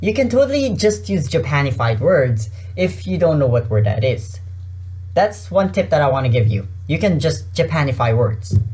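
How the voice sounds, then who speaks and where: The speaker goes at a moderate pace while music plays in the background. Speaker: anime vlogger. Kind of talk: casual vlog talk.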